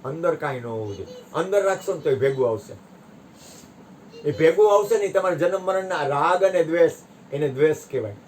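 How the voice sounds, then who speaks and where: A man giving a satsang discourse, telling parables with sharp rises and drops in his voice. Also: a little high, a little fast, a little hiss or hum. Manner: animated storytelling, voice rising and dropping sharply. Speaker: spiritual teacher.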